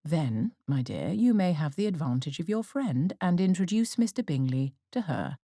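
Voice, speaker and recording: A woman voicing a sardonic, reserved middle-aged father in an audiobook, dry, deliberate and mock-courteous. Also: low-pitched, very animated, dark tone, dry recording, exaggerated voice. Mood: teasing. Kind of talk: audiobook character acting.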